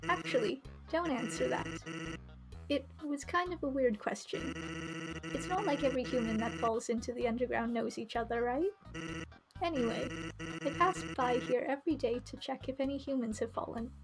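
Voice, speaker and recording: A woman's voice: sits high, normal speed, low-quality recording. A woman voicing an easygoing, joking male skeleton from a visual novel game, in a casual, friendly manner. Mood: laid-back, friendly. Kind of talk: visual novel character read aloud. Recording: music behind the voice.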